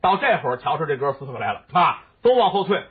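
Brief: high, very animated man, voicing all the characters of a comic story. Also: quick pace, breathy edge. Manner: switches voices between characters, sings opera snatches. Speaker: crosstalk storyteller. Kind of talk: comic storytelling with sung parts. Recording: phone-like lo-fi recording with faint music.

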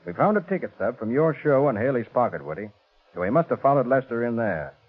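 An actor playing a brisk, self-assured private detective in a 1940s radio drama, decisive and matter-of-fact. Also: male voice, medium pitch, very animated, breathy edge. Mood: firm, explaining. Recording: muffled, narrow-band 1940s radio recording.

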